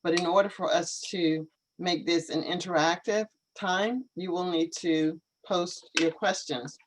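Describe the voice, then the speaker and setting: A woman's voice: lowish voice, fairly even intonation, a little slow, background noise. Careful, encouraging woman teacher. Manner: careful, encouraging, clearly articulated. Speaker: English teacher hosting a live session. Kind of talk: live online English lesson chat.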